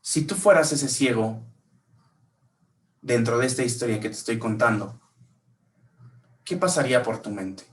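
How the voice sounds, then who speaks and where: A man's voice: medium pitch, unhurried, pauses often, distant mic. A man preaching a sermon, telling a story and questioning his listeners. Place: church.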